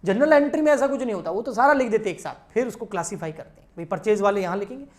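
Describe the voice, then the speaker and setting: A woman teacher delivers a recorded exam-prep accountancy lecture. She walks through each point patiently, keeps checking that her students are following, and speaks to them in a familiar, homely way. Her voice sits at an ordinary middle pitch for a woman. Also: expressive, racing, darkish tone.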